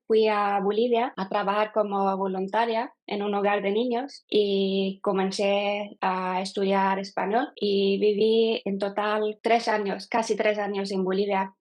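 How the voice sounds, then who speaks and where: A Norwegian woman in her thirties, a non-native speaker, answering as an interview guest, often pausing and restarting as she talks. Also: medium pitch, flat delivery, a little mellow. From Norway. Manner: hesitant, with frequent fillers and restarts. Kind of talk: casual interview.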